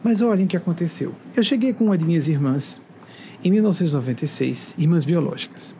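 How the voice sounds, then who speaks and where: Talking quickly in a slightly high voice, this man in his forties from northeastern Brazil speaks to his viewers as a spiritual speaker. It's a conversational monologue of lively storytelling, with quoted dialogue acted out, and there's slight background noise.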